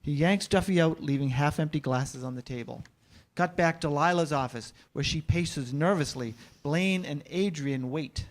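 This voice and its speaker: A man's voice: a little high, normal speed. A man reading out stage directions as the narrator of a staged comedy reading.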